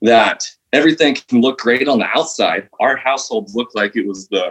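This man has a plain, everyday voice, speaking at medium pitch and a moderate pace with ordinary pitch variation. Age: 30s. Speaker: hunting podcast host. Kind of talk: casual chat.

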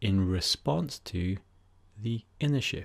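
On a very clean recording with a silent background, a man speaks at a very deep, low pitch. His calm, soothing tone is somewhat breathy. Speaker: meditation teacher and coach. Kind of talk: guided meditation. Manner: calm, slow, soothing, instructive.

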